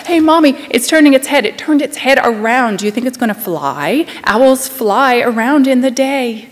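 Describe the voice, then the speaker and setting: A woman's voice: lively intonation, moderate pace, in a large hall. A woman doing an eager chatty three-year-old girl. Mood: excited. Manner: eager, breathless, high and sing-song.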